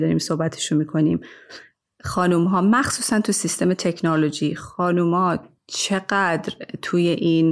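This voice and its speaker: Speaking at a moderate pace with ordinary pitch variation, a woman with fairly low pitch has an ordinary speaking voice, captured in a very clean recording with a silent background. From Iran, raised in Norway from age nine. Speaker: entrepreneur. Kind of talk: casual chat.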